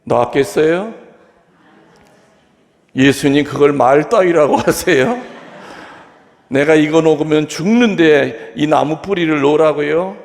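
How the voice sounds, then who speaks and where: Panicky church elder yelling for help, high and gravelly, a priest doing the voice. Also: male voice, measured pace, long pauses. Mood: stubborn. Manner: frantic, pleading, shouting. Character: panicked middle-aged male church council president. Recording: long reverb of a large hall.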